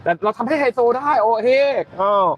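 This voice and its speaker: A man's voice: high voice, brisk, a bit bright, a little hiss or hum. A man hosting a casual home cocktail-making demo, chatty and joking, often repeating his words. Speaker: host.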